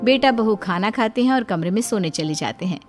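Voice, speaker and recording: A woman narrating a cartoon family story in a steady storytelling manner. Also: medium pitch, brisk, music in the background.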